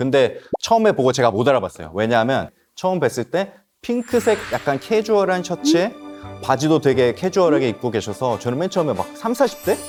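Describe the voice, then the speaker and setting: Fairly quick speech with music in the background. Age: young. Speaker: manager at investment center, co-host. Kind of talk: talk show conversation.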